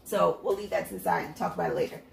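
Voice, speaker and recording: Sitting at her table at home, this budgeting vlogger counts cash into envelopes while narrating in a chatty, self-encouraging, upbeat way through a congested nose. She speaks in a lowish, darkish, creaky voice with fairly even intonation, racing along. Filmed hands-only from overhead with an off-frame mic, the audio is reverberant with slight background noise.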